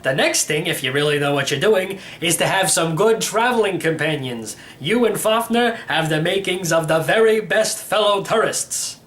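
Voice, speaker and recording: A man's voice: sits high, lively intonation, moderate pace, hardly any pauses, a bit bright. A man voicing an elderly, slightly crazy uncle in a storybook, rambling and teasing with theatrical emphasis. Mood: excited, urging. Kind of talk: acted storybook reading.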